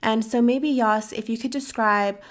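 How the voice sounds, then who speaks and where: A young woman hosting a podcast, talking in an earnest, measured and serious way. She grew up in the United States and her first language was Farsi. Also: a little high, fairly even intonation. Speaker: podcast host. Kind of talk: earnest interview and commentary.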